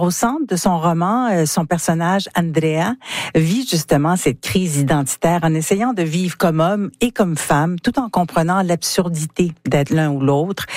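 A woman presenting a radio book column in a measured, informative way. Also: fairly low pitch, a little mellow, dry recording, clean studio sound. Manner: measured, informative, light fillers. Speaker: literary columnist.

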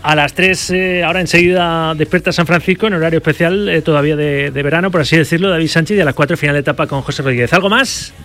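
A man hosts a radio sports show with quick, practiced handovers. His voice sits a little high for a man, and a faint music bed runs underneath. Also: a bit bright. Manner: brisk, presents segments and hands over to reporters.

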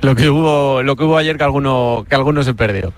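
Spanish guy from spain doing a live radio report, talks fast, chatty, keeps repeating himself. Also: medium pitch, slight background noise.

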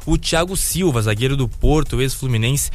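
A man's voice: medium pitch, lively intonation, moderate pace. Enthusiastic male radio sports reporter. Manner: enthusiastic, explanatory.

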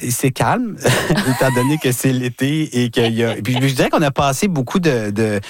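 A man, a regional correspondent thinking aloud in a radio interview, with many pauses and restarts. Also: mid-range voice, expressive, a little hiss or hum. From New Brunswick, Canada. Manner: thoughtful, many hesitations and restarts.

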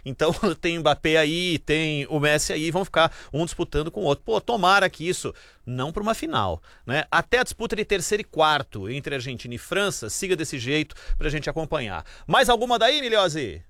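A man's voice: on the high side, big pitch swings, a little fast, few pauses, a bit bright, no echo. A man with a Brazilian accent anchoring live sports news in a conversational, analytic way.

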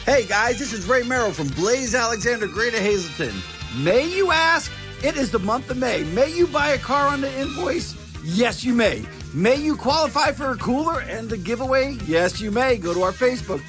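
Casting: high-pitched male salesman, punny upbeat radio spot, music behind. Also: lively intonation, moderate pace. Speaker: car dealership salesman in ad. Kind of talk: scripted radio ad read.

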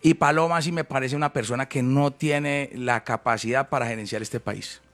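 A man's voice: mid-range voice, fairly even intonation, normal speed, a bit bright. Emphatic Colombian paisa man in his fifties, candidate in a heated interview. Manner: emphatic, repetitive, calls people brother. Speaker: presidential candidate.

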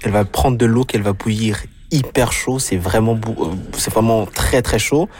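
A man on a radio show telling a home remedy story in an animated, playful way. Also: on the low side, normal speed. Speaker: radio co-host. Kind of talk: radio chat.

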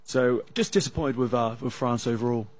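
A man with an English accent, an analyst calmly breaking down soccer tactics with some hesitation fillers. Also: medium pitch, a crowd in the background. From England. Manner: measured, analytical, with frequent uh fillers. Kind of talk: sports talk discussion.

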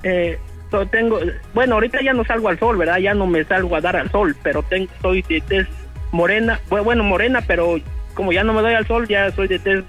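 High-voiced young caller. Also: male voice, fairly quick, a bit bright, soft background music. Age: 20s. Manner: laid-back, giggly, hesitant.

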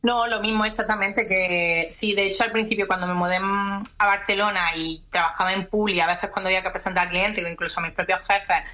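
A young Andalusian woman talks as a radio guest. Her voice is bright and forward, and she muses aloud with plenty of fillers. The delivery is relaxed and conversational. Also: medium pitch, fairly quick, hardly any pauses, poor audio. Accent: Andalusian Spanish. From Andalusia, Spain. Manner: reflective, thinks aloud with fillers. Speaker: guest, screenwriter and podcaster. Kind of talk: casual radio chat.

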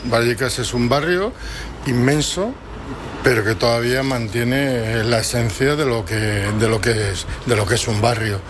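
A man talks about his neighbourhood in a rambling, thoughtful way. Traffic and street noise are clearly heard behind him outdoors. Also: mid-range voice, unhurried. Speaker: local resident. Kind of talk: street interview.

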